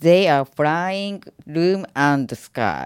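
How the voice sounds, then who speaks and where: In a very clean recording with a silent background, a woman with a very deep, low pitch speaks very slowly with lively intonation. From rural Hiroshima, Japan. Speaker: dental hygienist and English learner. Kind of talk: casual radio chat.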